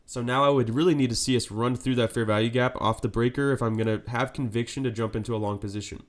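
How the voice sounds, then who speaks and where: Stuffy-nosed guy talking through trades live, steady and explaining, keeps asking "right?". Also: mid-range voice, quick pace. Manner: steady explanatory, frequent "right?" check-ins. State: congested with a cold. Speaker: live trading streamer. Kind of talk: live market commentary.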